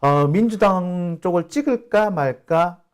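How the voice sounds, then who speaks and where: A man's voice: high voice, a little slow, clear, resonant tone. A middle-aged man from Busan hosting casual political commentary, telling stories and affirming himself with short "ye" interjections. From Busan, South Korea. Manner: animated, storytelling, frequent "ye" affirmations. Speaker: YouTube channel host.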